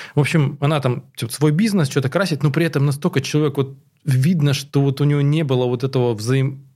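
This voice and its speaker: A man with a fairly high pitch and a dark, mellow tone speaks at a fairly quick pace, somewhat breathy, with ordinary pitch variation on a very clean recording with a silent background. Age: 30s. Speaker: podcast co-host, teacher. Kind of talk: casual chat.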